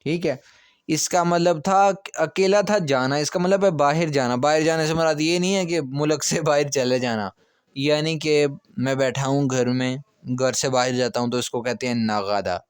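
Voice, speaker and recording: A man's voice: fairly high pitch, steady tone, normal speed, smooth, dry recording, clean studio sound. A man teaching a grammar lesson, explaining step by step and checking in with "okay" often. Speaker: language teacher.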